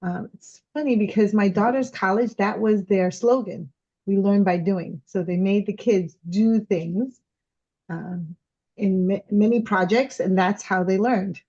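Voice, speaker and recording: Mellow woman on slightly dull call audio. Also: mid-range voice, measured pace. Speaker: participant in a group coaching call. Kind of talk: casual reflective sharing from notes.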